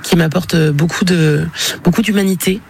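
A woman's voice: lowish voice, normal speed, a little mellow, slight background noise. A woman of about forty, a singer, answering radio interview questions frankly and animatedly, with many fillers and restarts. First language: French.

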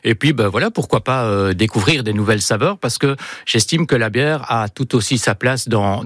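A man's voice: mid-range voice, a bit bright, dry recording. Middle-aged Belgian man, dry studio sound. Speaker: interview guest, self-taught cook and author. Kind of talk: casual conversational interview.

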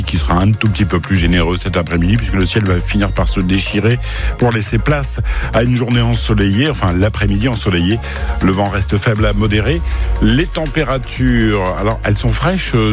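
A man with a fairly low voice presents on the radio. He runs through forecasts conversationally, with music playing clearly behind him. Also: normal speed. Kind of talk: conversational weather bulletin. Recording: music bed under the voice.

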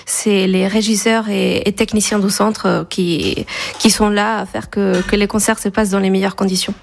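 Spanish-accented woman, halting radio guest. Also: mid-range voice, level tone, vocal fry, a little hiss or hum. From Spain. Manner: hesitant, many fillers and restarts. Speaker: festival staff guest. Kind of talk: radio interview answers.

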